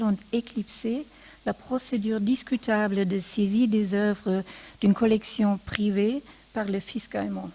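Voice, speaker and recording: Woman, non-native French speaker, slow, measured academic lecturer at a podium mic. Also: medium pitch, warm tone. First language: not French. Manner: slow and careful, with hesitations. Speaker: museum provenance researcher giving a lecture. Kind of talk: formal academic lecture read aloud. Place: lecture hall seminar.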